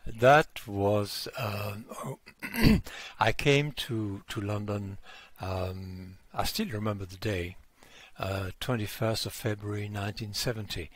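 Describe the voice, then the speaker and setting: A man in his seventies with a French accent, telling his story as an interview guest and pausing on frequent fillers. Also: lowish voice, steady tone. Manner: hesitant, pausing on many fillers.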